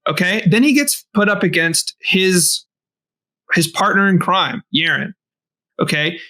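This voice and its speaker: A man's voice: sits high, a little slow, sharp tone. A man co-hosting a podcast in casual chat, talking enthusiastically in bursts. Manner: enthusiastic, rants in bursts with swearing. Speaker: podcast co-host.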